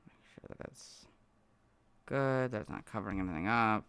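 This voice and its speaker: A hoarse man who has lost his voice, chatting casually on a livestream while editing, muttering to himself with apologetic asides. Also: on the low side, moderate pace, fairly bright tone. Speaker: video creator streaming his editing. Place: home room, hot.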